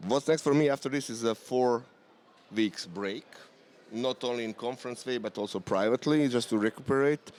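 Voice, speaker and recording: A man's voice: mid-range voice, moderate pace, darkish tone. A man in his forties from Bosnia, speaking English with a Bosnian accent as a conference guest, hesitant with frequent fillers. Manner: hesitant, many "uh" fillers and restarts. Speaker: conference guest, software company representative. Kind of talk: casual conference interview. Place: conference venue.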